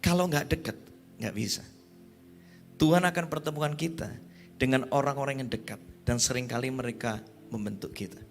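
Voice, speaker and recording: A man preaching a sermon at a youth conference, emphatic, with sudden high exclamations. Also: fairly quick, pauses often, soft background music.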